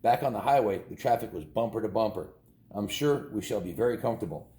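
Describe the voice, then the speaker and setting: A man's voice: lowish voice, lively intonation, fast, mellow, echoey room, lightly acted. A man reading the part of a weary, fussy mother in a children's story, complaining yet polite. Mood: apologetic, uneasy.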